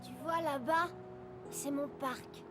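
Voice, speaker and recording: A friendly little cartoon kid, high voice, inviting his buddy over. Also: fairly even intonation, takes it slowly, music in the background. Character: friendly young boy living in a high-rise.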